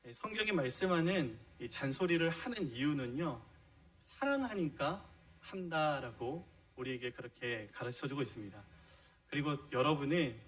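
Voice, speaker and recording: In a church sanctuary, a middle-aged pastor with a mid-range, slightly bright voice preaches a sermon, earnestly explaining his points and putting rhetorical questions to the congregation. The audio quality is poor.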